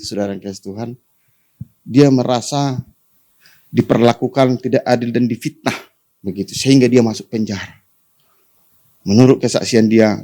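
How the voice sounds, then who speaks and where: A pastor preaching to his congregation, often calling for amen, rising to sudden high emphatic peaks and dropping to soft endings. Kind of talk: sermon.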